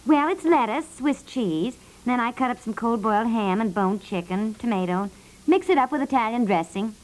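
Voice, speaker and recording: An actress playing a sensible, gently protesting expectant wife in a naturalistic 1950s radio comedy, polite and reasoning. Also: female voice, a little high, expressive, normal speed, lightly acted, poor audio. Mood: mildly protesting. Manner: polite, reasoning, mildly exasperated.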